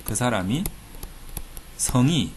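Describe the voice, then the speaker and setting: A man talks through a casual video lecture on thesis statistics, chatty and full of fillers. His pitch moves a lot, rising and falling from phrase to phrase. A faint hiss of noise sits under the voice. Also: animated, takes it slowly, a little mellow. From Busan, South Korea. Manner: chatty, with filler sounds and playful dad jokes. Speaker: research institute director teaching thesis statistics.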